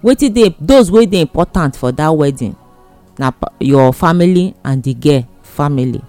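A man's voice: a little high, expressive, normal speed, darkish tone, dry recording, soft background music. A man with a Nigerian accent giving casual advice in an emphatic, repetitive, plain-spoken way. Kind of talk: casual advice monologue in Pidgin.

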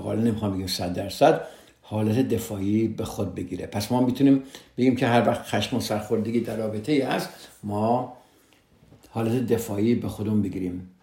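A man's voice: on the low side, a little mellow, roomy sound. A man hosting a radio advice program, speaking earnestly and directly to his listeners, often repeating his main points. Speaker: radio host giving relationship advice. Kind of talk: casual advice talk on a podcast.

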